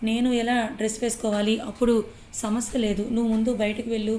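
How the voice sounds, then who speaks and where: A woman's voice: a little high, little pitch movement, fast, dark tone, a little hiss or hum, natural voice. A woman voicing a feisty young woman who scolds but cares, in a read-aloud story. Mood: scolding. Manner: scolding, exasperated.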